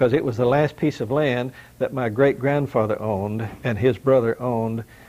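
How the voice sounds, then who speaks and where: Speaking with a Southern US accent, a man uses a dark, mellow tone at medium pitch. He keeps a moderate pace and fairly even intonation. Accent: Southern US (Georgia). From US South, north Georgia (Murray County). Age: 70s. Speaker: war veteran. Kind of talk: oral history interview. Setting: library building. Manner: halting, many false starts.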